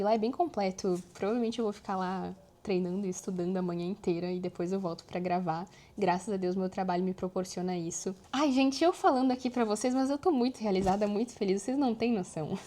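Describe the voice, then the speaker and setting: A young woman vlogging, chatting to her viewers in a lively, animated way. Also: medium pitch. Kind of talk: casual chat to camera.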